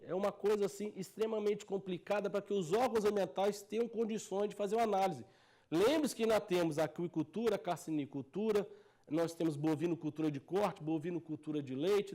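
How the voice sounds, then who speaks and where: A man with a Brazilian Portuguese accent lectures as a technical advisor and hammers each point home by repeating phrases. His voice sits high for a man, yet the tone stays mellow and soft-edged. His delivery is earnest and explanatory throughout.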